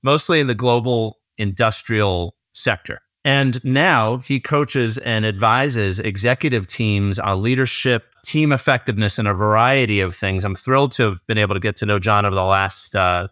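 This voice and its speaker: A man's voice: fairly low pitch, moderate pace, few pauses, a bit bright, no echo, clean studio sound. A man hosting an interview podcast, introducing his guest and asking long, eager questions. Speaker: podcast host.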